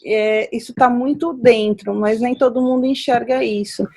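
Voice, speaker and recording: Husky high-voiced woman talking reflectively. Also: moderate pace. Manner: reflective, animated when acting out examples. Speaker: guest speaker. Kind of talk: conversational talk on nonviolent communication.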